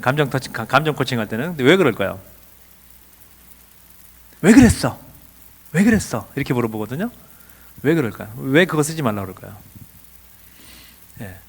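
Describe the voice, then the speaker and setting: Animated man giving a church seminar. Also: medium pitch, quick pace, vocal fry, long pauses. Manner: asks rhetorical questions, acts out quoted dialogue. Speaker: lecturer at a church teacher training. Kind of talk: lively seminar lecture.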